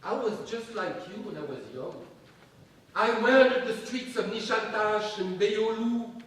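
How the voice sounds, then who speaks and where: A man in a staged reading playing a domineering, menacing secularist strongman, emphatic and theatrical, with deliberate pauses. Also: high-pitched, a bit bright, recorded from a distance. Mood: impassioned. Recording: echoey stage from afar, faint noise.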